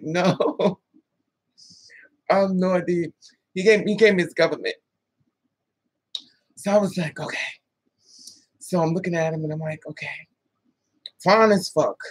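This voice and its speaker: A woman vlogger in her thirties recounts a dating episode on camera with lively energy, profanity, laughing asides, and both sides of the conversation acted out. Her voice is deep, husky, and edged with breath, captured close and dry.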